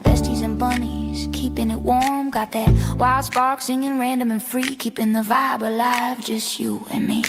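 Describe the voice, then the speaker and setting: A woman's voice: a little high, little pitch movement, measured pace, hardly any pauses, over loud music. A woman singing a bouncy pop show theme with catchy chanted hooks. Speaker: theme song singer. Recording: sung over loud pop backing track.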